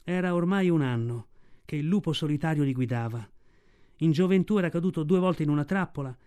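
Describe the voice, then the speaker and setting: A man reading a classic story aloud as a radio audiobook narrator, with expressive storytelling. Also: on the high side, fairly quick, clean tone. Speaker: audiobook reader. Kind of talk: scripted narration.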